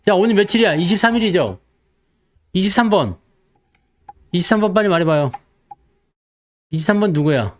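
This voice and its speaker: Guy joking around about the stock market, high and swoopy voice. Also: lively intonation, normal speed, pauses often, slight background noise. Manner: playful, acts out investors' voices, jokes with viewers. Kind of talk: casual market commentary.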